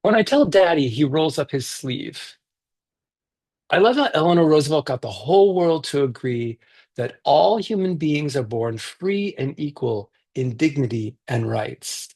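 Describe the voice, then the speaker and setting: A man, a children's author, reading his picture book aloud in a lively, expressive way over a video call. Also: a little high, a little slow, breathy edge.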